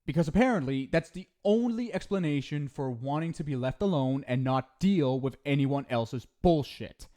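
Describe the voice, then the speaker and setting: A man's voice: on the high side, expressive, normal speed, hardly any pauses, dark tone, close to an everyday voice. A man playing an affectionate, centuries-old ghost soulmate in an intimate ASMR roleplay, speaking casually and hesitantly. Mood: casual explaining. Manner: casual, hesitant, tender, reassuring.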